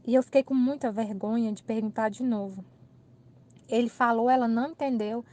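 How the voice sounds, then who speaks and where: A woman with a Brazilian accent recounts an everyday mix-up in a lively, chatty way. Her voice sits a little high, and she acts out the others' lines as she tells it. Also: fairly quick. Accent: Brazilian Portuguese. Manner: animated, laughing retelling with quoted dialogue. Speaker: channel host. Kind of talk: casual storytelling.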